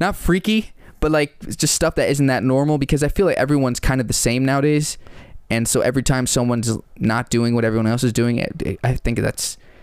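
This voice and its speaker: On a very clean recording with a silent background, a man at a medium pitch speaks at a fairly quick pace, his loudness very even and his pitch variation ordinary. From United States. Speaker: podcaster and musician. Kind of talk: casual chat.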